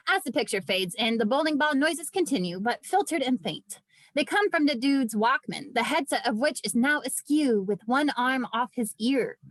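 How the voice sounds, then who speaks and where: A woman reading screenplay stage directions as scripted narration, with vivid, deliberate storytelling. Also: high voice, dry recording.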